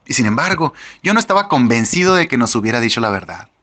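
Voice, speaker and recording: A man reading a first-person audiobook with wry, lively storytelling. His voice is bright and forward, at an ordinary male pitch. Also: quick pace. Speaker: audiobook narrator.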